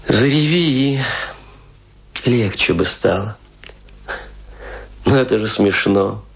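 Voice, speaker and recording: An actor playing a lonely, embittered, hard-drinking stage actor in a radio play, declaiming theatrically and broodingly with a husky voice. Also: male voice, lowish voice, heavily acted. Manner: declamatory, brooding, with rhetorical questions and long pauses. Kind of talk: theatrical dramatic monologue, Russian radio play.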